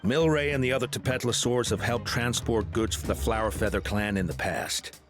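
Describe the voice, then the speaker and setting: A man playing a responsible tribal chief in a video game, speaking in a measured, formal and supportive manner. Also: fairly low pitch, over music, natural voice. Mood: earnest.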